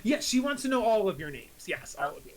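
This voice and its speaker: A woman acting as game master, narrating a tabletop game casually in a hesitant, halting way. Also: medium pitch, big pitch swings, poor audio. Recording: clear background hiss and noise.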